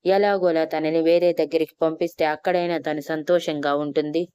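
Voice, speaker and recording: A woman's voice: deep voice, steady tone, brisk, warm tone, smooth, no room sound, natural voice. A woman reading a despairing old farmer. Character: grieving older male farmer, despairing.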